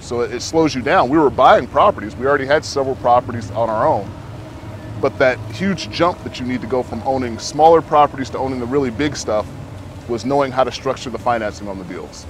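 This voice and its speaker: A man of medium pitch speaks fairly quickly with ordinary pitch variation against noticeable background noise. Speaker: property manager and real estate investor giving a testimonial. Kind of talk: testimonial interview answer. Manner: casual, conversational.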